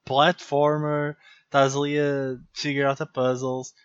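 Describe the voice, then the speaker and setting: A man with a European Portuguese accent, co-hosting a casual gaming podcast over a degraded, half-robotic remote call, relaxed and mixing in English slang. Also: medium pitch, takes it slowly, clear, resonant tone, dry recording. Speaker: podcast co-host. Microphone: remote call from outside the studio. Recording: dull lo-fi remote line.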